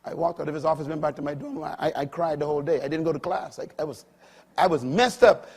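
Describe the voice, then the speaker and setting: An older man preaching a sermon, swinging from loud emphatic peaks to quiet low asides. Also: fairly even intonation, quick pace, husky.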